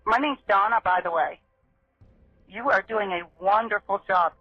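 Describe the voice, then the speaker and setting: A woman working as an emergency dispatcher, calming and questioning a child with endearments over a muffled telephone recording. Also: mid-range voice, normal speed, husky, no room sound, faint music behind. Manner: reassuring, uses endearments with a child.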